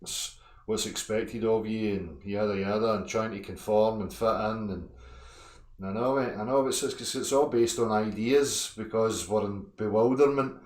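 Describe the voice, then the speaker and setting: A man's voice: lowish voice, normal speed, a little mellow. A man in a casual online chat, agreeable but blunt, often swearing. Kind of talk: casual chat on an open call-in platform. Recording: echoey room.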